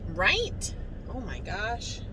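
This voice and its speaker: A woman's voice: medium pitch, wildly swooping pitch, very slow, noisy background. A woman chatting casually to her viewers as a vlogger, in a talkative, self-amused way. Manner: chatty, self-amused, often chuckling while telling anecdotes. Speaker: vlogger sharing a daily diet challenge.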